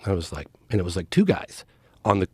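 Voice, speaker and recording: Middle-aged male storyteller, lively up-and-down delivery, dry close mic, acts out the voices in his tale. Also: low-pitched, fairly quick, breathy edge, no echo. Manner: animated, acts out quoted dialogue. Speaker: documentary filmmaker guest. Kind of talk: casual storytelling in a podcast interview.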